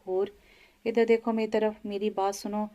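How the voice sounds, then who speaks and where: A woman voicing a brooding young husband in an audio novel, speaking in a soft, coaxing way. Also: mid-range voice, little pitch movement, moderate pace, natural voice. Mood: earnest. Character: brooding young husband, tender with his grieving wife.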